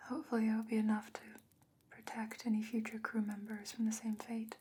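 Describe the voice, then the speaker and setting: A woman playing a calm, knowing sorceress in a fantasy ASMR roleplay, speaking in a hushed, breathy, deliberate whisper. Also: a little high, a little hiss or hum, close to an everyday voice. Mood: grave, caring.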